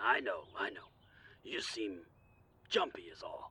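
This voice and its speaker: In a put-on character voice, a man speaks at a moderate pace with a raspy sound and an extremely high pitch. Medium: audio drama. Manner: casual, blue-collar, plainspoken.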